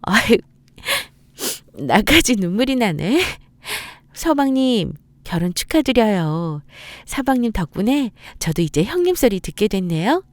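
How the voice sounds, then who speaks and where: A woman's voice: medium pitch, sing-song, unhurried, dry recording, pitched above the performer's own voice. Lady doing a sweet-talking young daughter-in-law, sugary and fake-nice, radio drama, dry mic. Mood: fawning. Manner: sugary and ingratiating.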